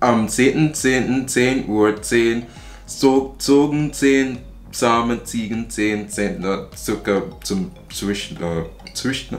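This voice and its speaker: With music in the background, a man speaks at a very slow pace in a medium-pitched voice with ordinary pitch variation. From Jamaica. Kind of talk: attempting German tongue twisters. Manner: easy-going, laughing.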